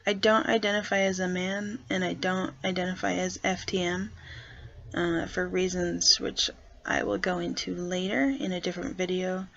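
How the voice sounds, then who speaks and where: A young trans guy vlogging casually and hesitantly, deliberately pushing his voice lower as he talks. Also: level tone, gravelly, dull audio. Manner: hesitant, soft-spoken, consciously pitching voice lower. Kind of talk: casual first vlog.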